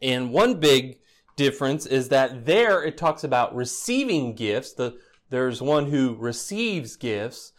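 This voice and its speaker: Speaking slowly in a sing-song, mid-range voice, a pastor delivers an expository sermon as a conversational lesson. Rhetorical "right?" questions come often, directed at the congregation with a dry, teasing humor.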